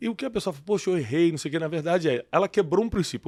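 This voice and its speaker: This man's voice is recorded very cleanly against a silent background, with a dry, close sound and no echo. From Rio de Janeiro, Brazil. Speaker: podcast host. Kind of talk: interview podcast.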